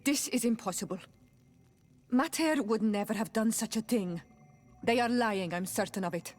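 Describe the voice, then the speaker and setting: A woman's voice: on the high side, normal speed, a little mellow, close to an everyday voice. An actress playing a proud, resolute young tribal princess in a video game, firm and earnest in her delivery. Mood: defiant. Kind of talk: video game cutscene acting. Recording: background music under the voice.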